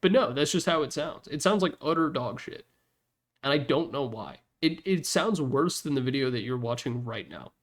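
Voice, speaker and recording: With a medium-pitched, expressive voice at a moderate pace, a host works through ranking game announcer packs. His talk is casual and wandering, candid and blunt with cursing, and he records in his room via a Yeti desktop mic.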